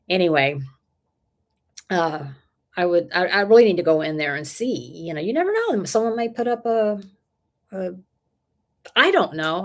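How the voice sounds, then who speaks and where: Chatty woman in her sixties, low voice. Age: 60s. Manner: chatty, rambling, laughs often. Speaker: livestream host. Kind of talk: casual live chat reading comments.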